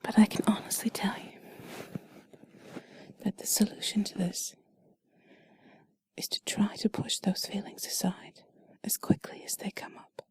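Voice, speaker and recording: A woman doing an intimate whispered role-play in a soft, breathy, sultry and soothing voice, speaking slowly and deliberately, close to the mic. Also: mid-range voice, little pitch movement. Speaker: intimate audio narrator. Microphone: close mic, dry.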